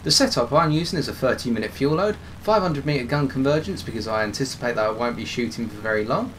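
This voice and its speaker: Male game commentator, mid pitch, slightly hoarse, explanatory, faint noise behind. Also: animated, quick pace, a bit bright. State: hoarse, losing his voice. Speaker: gameplay commentator. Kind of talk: game commentary over gameplay.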